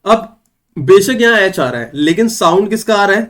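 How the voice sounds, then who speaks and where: Fairly high-voiced man teaching English grammar. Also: lively intonation, fairly bright tone. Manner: explains step by step, asks and answers his own questions; reads English example sentences slowly and clearly. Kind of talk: online exam-prep lesson.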